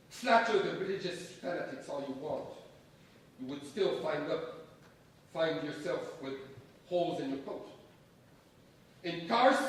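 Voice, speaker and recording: A man in a staged reading playing a domineering, menacing secularist strongman, emphatic and theatrical, with deliberate pauses. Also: on the high side, distant mic. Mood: threatening. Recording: echoey stage from afar, faint noise.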